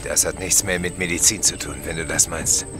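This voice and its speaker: A man's voice: low-pitched, fairly even intonation, fairly quick, natural voice. A male actor playing a grim, terse demon hunter set on revenge in a German horror radio drama. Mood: grave. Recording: loud car and street noise behind.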